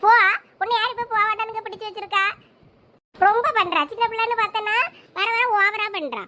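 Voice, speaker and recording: A woman voicing a sharp-tongued, short-tempered young college girl in an animated comedy. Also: very high voice. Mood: scolding. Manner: scolding, irritated, fast and threatening.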